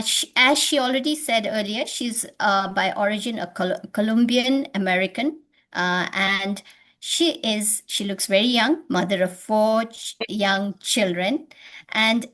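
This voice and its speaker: A woman's voice: mid-range voice, a bit bright. A woman with a Nepali accent hosting an online webinar, speaking with many fillers and hesitations over a video call. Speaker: webinar host.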